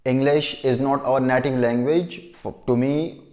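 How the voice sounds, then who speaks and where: Slow, earnest man, native Pashto and Urdu speaker. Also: mid-range voice, steady tone, a little mellow. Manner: earnest, asks rhetorical questions and repeats points for emphasis. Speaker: vlogger. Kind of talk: unscripted monologue giving advice.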